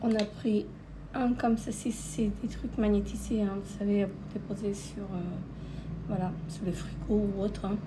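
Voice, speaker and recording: A woman vlogger talks through her holiday shopping at an even, middling pitch. She hesitates a lot, fills gaps with filler sounds and slips into soft asides. Packaging crinkles loudly close to the mic. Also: normal speed, noisy background. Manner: hesitant, many filler sounds, repeats "comme ceci". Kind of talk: casual holiday haul vlog. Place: indoors at a holiday rental near the beach.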